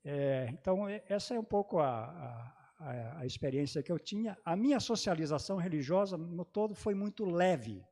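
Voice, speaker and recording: Male panelist, native German-dialect speaker, hesitant reminiscing delivery, slightly high voice. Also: lively intonation, warm tone. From Brazil, grew up in Santa Catarina. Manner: halting, many hesitations and restarts. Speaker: panelist at a theology congress. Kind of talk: personal recollection in a panel talk.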